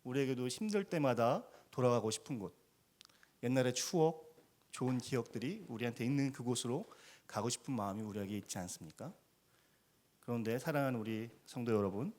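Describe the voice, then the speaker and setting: A man's voice: mid-range voice, darkish tone. Earnest male missionary preaching. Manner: earnest preaching, acting out quoted cries with rising emphasis. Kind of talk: sermon. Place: church sanctuary.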